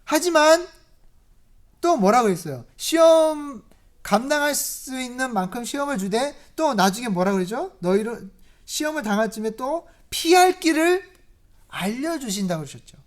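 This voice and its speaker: A preacher giving a sermon, emphatic and lively, constantly asking the congregation questions. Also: sits high, moderate pace. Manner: asks the congregation many rhetorical questions; lively, emphatic, rises in volume on key points.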